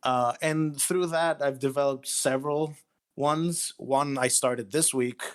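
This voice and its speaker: A man from Greece speaks as a guest writer in a relaxed interview. His middle-pitched voice comes with a hesitant, self-deprecating manner. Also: slow, smooth. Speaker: guest writer of audio horror stories. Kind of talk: casual interview chat.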